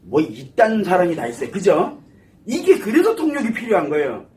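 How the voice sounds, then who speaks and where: A man's voice: sits high, huge pitch swings, fairly quick, warm tone. A man giving a psychology lecture, asking the audience questions and answering them himself. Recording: voice somewhat far from the mic.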